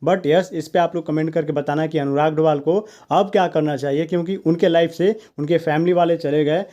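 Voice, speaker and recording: A man's voice: fairly high pitch, steady tone, fairly quick, mellow, lo-fi sound. A man with an Indian accent narrating gossip news for online viewers in a scripted style.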